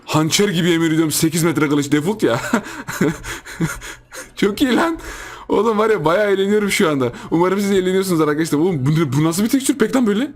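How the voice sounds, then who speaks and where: A man's voice: high voice, lively intonation, fairly quick, soft background music. A young man giving casual, joking gameplay commentary, full of exclamations and laughter. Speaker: gaming YouTuber.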